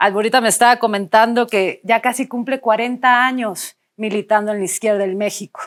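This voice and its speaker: Very clean recording, with a silent background. A woman talks at a fairly high pitch and a fairly quick pace, with hardly any pauses and fairly even intonation. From Mexico, Sinaloa. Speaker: interviewer, TV host. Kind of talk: interview.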